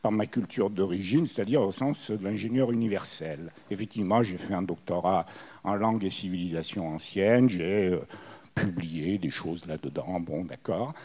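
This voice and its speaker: Italian-accented man in his sixties, lowish voice, hall echo, anecdotal panel storyteller. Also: moderate pace, darkish tone. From Italy. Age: 60s. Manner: storytelling, many fillers and restarts. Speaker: panel guest. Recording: hall reverb.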